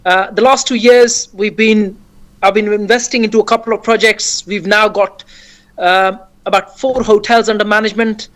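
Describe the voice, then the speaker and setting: A man's voice: high voice, steady tone, moderate pace, a bit bright. A man from Afghanistan, a property investor guest on a radio show, talking fluently and upbeat about his business. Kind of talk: casual interview.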